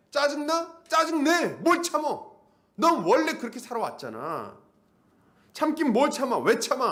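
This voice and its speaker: A man's voice: extremely high pitch, a bit bright, voice pushed up, full character voice. A pastor voicing a taunting male devil who mocks and accuses the listener with bullying questions. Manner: jeering, mocking, bullying questions.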